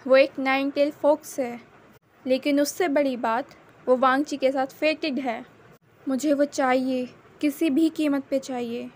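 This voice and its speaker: Woman narrator doing a volatile young villain; high voice, light emphasis, storybook read-aloud. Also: steady tone, measured pace, darkish tone. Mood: obsessive.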